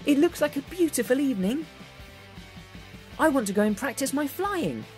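A woman's voice: high voice, sing-song, moderate pace, a little mellow, voice pushed up. A woman voicing an earnest, brave child superhero in an exclamatory way for a children's toy story. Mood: eager. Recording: music behind the voice.

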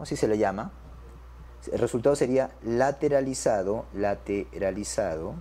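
A man's voice: medium pitch, warm tone. A man giving an exam-prep medical lecture to doctors. He keeps checking in with his listeners and addresses them as doctors.

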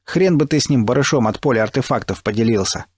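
A man voicing a brash, rough-talking male stalker who taunts loudly. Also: mid-range voice, animated, fast talker, no room sound, clean studio sound. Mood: taunting. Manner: loud, taunting.

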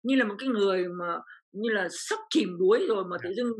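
An older Vietnamese woman, appearing as an interview guest, tells a personal story with emotion, repeating phrases as her voice rises. She speaks at a medium pitch and a slightly fast pace.

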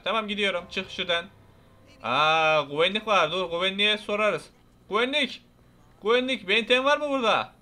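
A man's voice: high voice, pushed and bright. A young man giving casual, rowdy gameplay commentary, chatting to viewers and mock-threatening game characters. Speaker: gameplay YouTuber. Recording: faint music behind.

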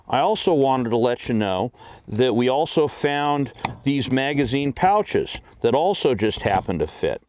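A man's voice: mid-range voice, a little mellow, a little hiss or hum. A middle-aged man, hosting a firearms demonstration and explaining each step plainly. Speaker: host.

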